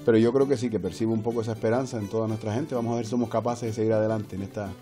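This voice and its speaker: A man's voice: on the low side, fairly even intonation, racing, warm tone, soft background music. A man in his forties with a Canarian Spanish accent, chatting as a guest over a video call from home. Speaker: guest folk poet. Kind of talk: conversational interview by video link. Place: home room with books and drum. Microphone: earphone mic on video call.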